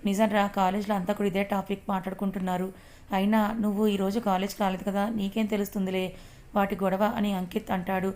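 A goading young sidekick in a storybook reading, voiced by a woman. Quick and level in tone. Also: mid-range voice, level tone, darkish tone, close to an everyday voice. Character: young man, gossiping sidekick friend.

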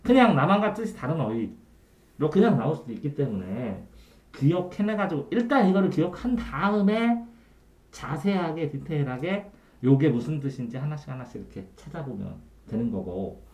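A man tutoring a student one-on-one in Korean grammar, quizzing him often and trailing off quietly at the ends of phrases. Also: fairly high pitch, sing-song, normal speed. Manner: quizzing the student with frequent checks for understanding. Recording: echoey room.

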